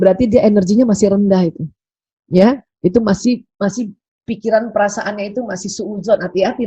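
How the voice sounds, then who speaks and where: A middle-aged woman giving a lively parenting lecture, acting out quoted examples and laughing often. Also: medium pitch, husky, dry recording, muffled recording. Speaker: doctor giving a parenting study talk.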